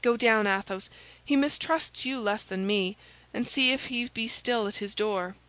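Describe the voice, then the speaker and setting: A woman voicing a gallant young gentleman soldier in a storybook, commanding and reassuring. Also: a little high, unhurried, low-quality recording. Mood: earnest, commanding.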